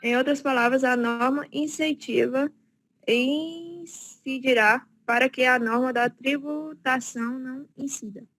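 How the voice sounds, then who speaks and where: Woman reading a text out loud, high bright voice, kinda stumbling. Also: no room sound. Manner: reads haltingly, stumbling on words. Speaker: student reading aloud.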